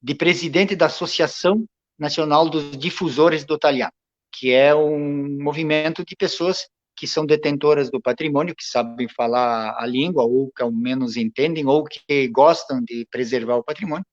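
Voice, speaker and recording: A man's voice: on the high side, fairly even intonation, normal speed, lo-fi sound. A man from Brazil, a guest telling his story in a casual interview, hesitant and full of fillers. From southern Brazil. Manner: hesitant, many fillers and restarts. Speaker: guest, writer and cultural association president.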